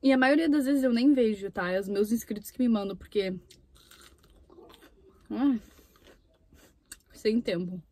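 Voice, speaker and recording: A woman's voice: fairly high pitch, unhurried, pauses often, a little mellow, no echo. Chatty young woman eating in a car. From Brazil. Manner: chatty, talks between bites. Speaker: mukbang YouTuber. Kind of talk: casual chat while eating. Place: inside a parked car. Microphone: camera on the dashboard.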